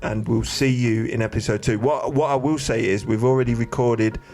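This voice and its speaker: A man's voice: medium pitch, fairly even intonation, normal speed, a little mellow, soft background music. A man co-hosting a podcast in casual chat, talking in an earnest, sincere way. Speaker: podcast co-host.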